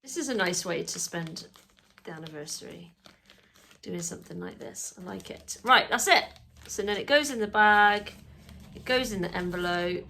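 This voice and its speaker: A woman, chatting casually in a home vlog, then guiding a slow, soft EFT tapping session. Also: lowish voice, expressive, a little hiss or hum. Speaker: vlogger and EFT practitioner.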